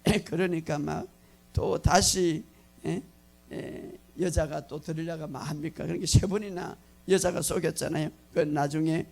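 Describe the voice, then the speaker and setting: A male pastor delivers a sermon with a rough, gravelly edge to his slightly high voice. He tells the story animatedly, acting out the lines and often laughing as he goes. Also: steady tone, measured pace, darkish tone, soft background music.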